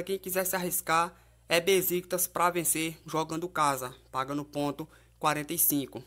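A man's voice: fairly high pitch, fairly bright tone. Brazilian man giving football tips. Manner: conversational, frequent tag questions. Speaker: football betting tipster. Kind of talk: informal match preview and betting tips commentary.

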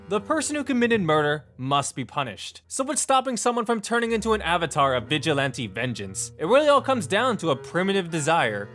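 A man's voice: on the high side, a bit bright. A man narrating a scripted video game review with dramatic, emphatic phrasing and wry, casual asides. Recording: voice-over with music behind. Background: background music.

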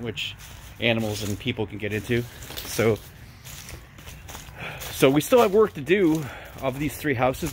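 A man's voice: mid-range voice, a bit bright. A man walking outdoors on a city street, talking casually to his phone camera as he reports on abandoned houses, with plenty of ums and restarts. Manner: rambling, many ums and restarts. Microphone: handheld phone camera. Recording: faint street noise outdoors.

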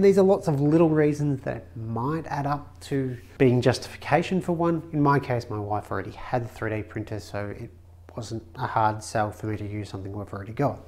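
A man in his thirties talks through a workshop project in a relaxed, practical way, with the odd dry aside. He has a mid-pitched voice. He is recorded on a camera mic from a short distance in a brick-walled home woodworking shop. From Australia. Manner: chatty, practical, wry asides. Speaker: woodworking channel host. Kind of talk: casual how-to vlog.

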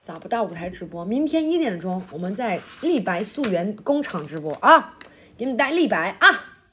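A woman hosting a livestream, chatting casually with viewers between songs, her throat feeling blocked and a little hoarse. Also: medium pitch, sing-song, fairly bright tone, slight background noise. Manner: sings then chats quickly to viewers, self-deprecating. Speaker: livestream host. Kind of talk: casual livestream chat and singing.

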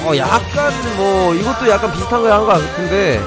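His voice is high and expressive, running a little fast. Streaming over music, he commentates and explains a game live, speaking to viewers and giving thanks to donors.

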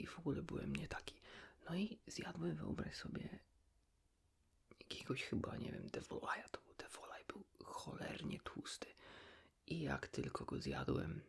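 Casting: male ASMR host, hushed whisper with heavy gravelly fry, informal and confiding. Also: mid-range voice. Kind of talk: ASMR, whispered casual chat with the listener.

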